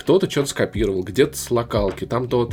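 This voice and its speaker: A man speaks with lively intonation. Noticeable background noise runs under his voice. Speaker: podcaster and music streamer. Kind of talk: casual chat.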